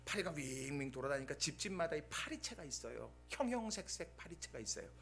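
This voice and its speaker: A male pastor preaching a Sunday sermon, telling stories with acted-out dialogue and swings between loud bursts and hushed asides. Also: fairly high pitch, brisk, faint music behind. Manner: animated storytelling, acting out quoted dialogue.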